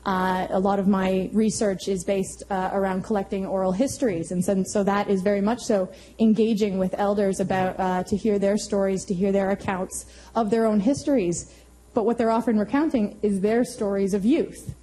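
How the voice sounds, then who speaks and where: A woman history professor giving thoughtful panel remarks to a university audience, pausing often to find her words. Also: mid-range voice, steady tone, dark tone, slight background noise, low-quality recording.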